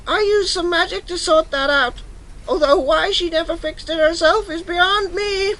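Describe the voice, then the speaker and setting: Wicked, vain young-royal villainess for fantasy audio play; extremely high, sharp voice, theatrical menace. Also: female voice, moderate pace, a little hiss or hum, low-quality recording. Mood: gloating. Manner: gloating, threatening, theatrical. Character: evil vain scheming princess wearing a wicked witch's head. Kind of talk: audio drama acting.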